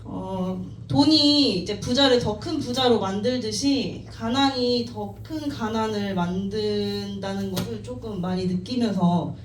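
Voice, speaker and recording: A woman in her thirties, a team member at a company meeting, tells an audience her life story in a meeting room, speaking in a mid-range voice at a measured pace with few pauses. She is modest and self-deprecating and laughs lightly often. The room is echoey, the mic distant, with faint noise.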